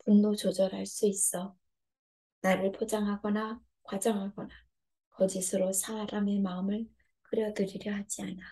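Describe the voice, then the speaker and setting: Hushed earnest woman preaching, gravelly and dark. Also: mid-range voice, flat delivery, moderate pace. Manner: earnest, swings between loud appeals and hushed whispers. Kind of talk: devotional sermon with voiced prayer.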